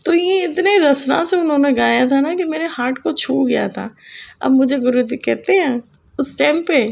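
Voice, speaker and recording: A middle-aged woman speaks to her congregation about a personal spiritual experience. She sounds chatty and emotional. Her voice sits high and carries a gravelly, creaky edge. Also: normal speed, a little mellow. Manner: chatty, emotional, sings short devotional lines. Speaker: devotee sharing a spiritual experience.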